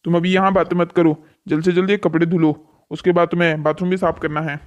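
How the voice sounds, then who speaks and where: A man's voice: fairly high pitch, flat delivery, fast talker, natural voice. A man voicing a stern, exploitative hotel boss in a cartoon story, with a commanding manner. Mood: stern, bossy. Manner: bossy, commanding. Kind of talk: scripted cartoon story dialogue.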